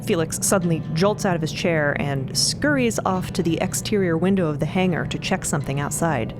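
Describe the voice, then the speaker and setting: A woman's voice: fairly low pitch, a little fast, noisy background. A woman narrating audio fiction in the present tense, in a storytelling style. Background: music.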